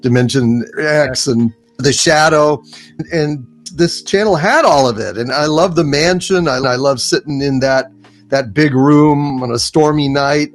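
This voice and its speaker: A man chatting casually as a guest, in a halting, rambling way. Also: a little high, soft background music. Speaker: guest, voice actor. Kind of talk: casual chat.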